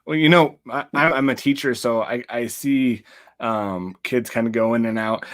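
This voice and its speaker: A man's voice: mid-range voice, fairly bright tone. Hesitant male podcast co-host. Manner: hesitant, halting. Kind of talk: podcast interview.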